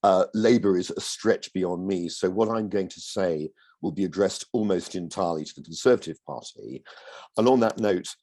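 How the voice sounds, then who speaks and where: A hoarse man who is losing his voice, giving modest opening remarks as a panel speaker over a video call. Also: low-pitched, moderate pace, darkish tone.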